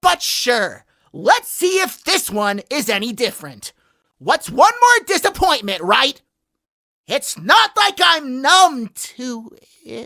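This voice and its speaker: In a put-on character voice, the speaker uses a high pitch with very wide pitch swings at a fairly slow pace. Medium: audio drama. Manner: bitter, volatile, swearing.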